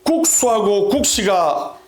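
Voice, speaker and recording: Man voicing a newlywed couple, puzzled, insistent, high raised questions, roomy echo. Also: very animated, takes it slowly, exaggerated voice. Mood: puzzled asking.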